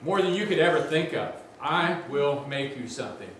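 Here a guest preacher with a big, somewhat high voice gives an energetic, conversational sermon at a moderate pace, tossing in asides. He's heard from afar in a large, heavily echoing church sanctuary, with slight background noise.

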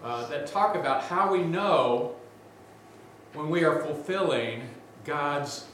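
Man, guest preacher, big voice, lively and conversational, slightly raised pitch, distant and very echoey sanctuary sound. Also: takes it slowly, slight background noise. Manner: energetic, conversational preaching with asides. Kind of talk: sermon. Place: large church sanctuary.

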